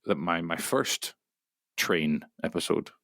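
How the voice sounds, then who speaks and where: A man with a Scottish accent, a voice actor talking as a guest in a casual interview, explaining at length and often pausing to restart. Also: low voice, gravelly, fairly bright tone, no room sound, studio quality. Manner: rambling, explanatory, halting with many restarts.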